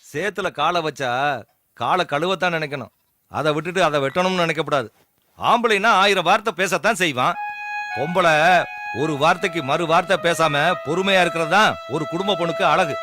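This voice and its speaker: An actor playing a stern village elder brother with a rural Tamil Nadu accent, authoritative, speaking in proverbs, in film drama. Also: male voice, on the high side, a little fast, natural voice. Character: stern patriarchal village elder brother and husband laying down rules. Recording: film soundtrack with music under voice.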